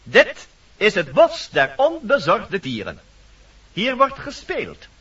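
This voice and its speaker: An actor playing a fussy, officious woodpecker master of ceremonies in a Dutch radio play, formal, pompous and easily exasperated. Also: male voice, high voice, wildly swooping pitch, slow, far from the mic, highs cut off, background noise, heavily acted.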